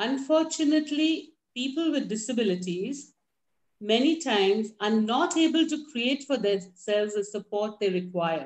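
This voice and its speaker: A woman's fairly high voice at a moderate pace, with very wide pitch swings. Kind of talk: webinar presentation. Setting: video call webinar.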